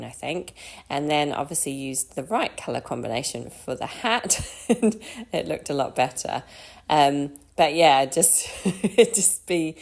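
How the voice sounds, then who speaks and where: A woman's voice: low-pitched, gravelly. A woman narrating a casual card-making tutorial, chatty, with frequent ums and laughing at her own mistakes.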